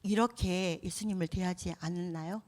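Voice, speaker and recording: A woman giving a children's sermon in a church service, telling the story in a lively way and asking the children questions. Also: on the low side, normal speed. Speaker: children's preacher.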